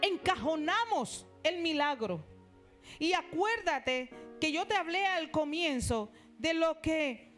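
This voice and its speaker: A woman's voice: very high voice, fairly bright tone. A woman pastor with a Colombian Caribbean accent, preaching an emphatic sermon in a church. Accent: Colombian Caribbean Spanish. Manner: emphatic preaching, rising to exclamations. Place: church sanctuary.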